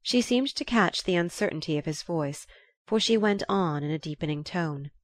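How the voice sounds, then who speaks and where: A woman narrating a novel aloud in a calm, even storytelling manner. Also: on the low side, moderate pace, no echo, studio quality. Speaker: audiobook reader.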